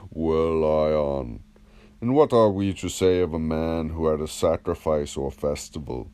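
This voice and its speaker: Here the philosopher's part is read by a man with a smooth, dark bass voice, in a questioning mood. The audiobook presents a classical dialogue, and his character probes carefully, teaching through rhetorical questions.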